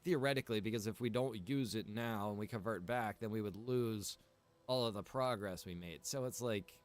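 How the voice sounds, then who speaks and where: Rambling man with a lowish voice. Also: moderate pace. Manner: rambling, thinking aloud. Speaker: streamer and server developer. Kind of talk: casual gaming stream chat.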